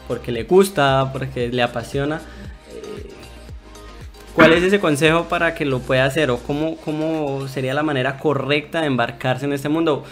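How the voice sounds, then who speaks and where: Higher-voiced male interview host. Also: a bit bright. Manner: chatty, asks long winding questions. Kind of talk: casual interview.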